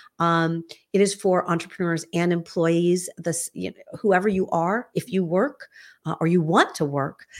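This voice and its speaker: On a very clean recording with a silent background, a woman uses an ordinary speaking voice, fairly low in pitch, at a moderate pace. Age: 50s. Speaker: podcast co-host and coach. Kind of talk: casual chat.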